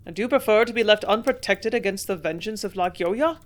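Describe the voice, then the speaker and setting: A scheming villain from a storybook, harsh and mocking, who pushes his words hard and loud, as a woman reader puts him on. His menace sits in a steady, mid-pitched voice. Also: moderate pace, lightly acted. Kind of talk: audiobook character voice.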